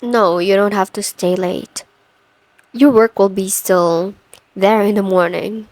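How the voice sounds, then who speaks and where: A woman playing a stern, overworked chief executive in an ASMR roleplay, measured and commanding with dry sarcasm. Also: medium pitch, fairly even intonation, a little mellow, no echo, natural voice. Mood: composed, gracious. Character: stern, overworked female CEO, pent-up and dryly menacing. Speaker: audio roleplay voice performer.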